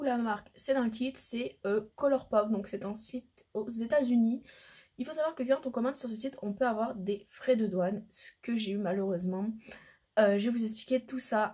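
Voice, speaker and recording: A woman's voice: fairly high pitch, dark tone, breathy edge. A woman chatting casually in a makeup vlog at home, rambling with lots of fillers as she swatches products. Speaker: beauty vlogger. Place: home room by a window. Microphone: camera mic.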